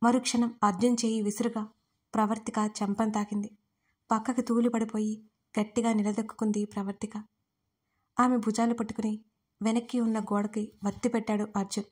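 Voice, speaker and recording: A woman narrating an audio love story in a steady, scripted way. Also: fairly high pitch, brisk, slightly rough.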